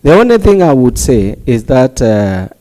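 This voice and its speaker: A man's voice: mid-range voice, very animated, normal speed, warm tone, rough recording. A man with a Kenyan accent, a church leader talking on a television talk show in an earnest, preacherly way and laughing lightly between his points.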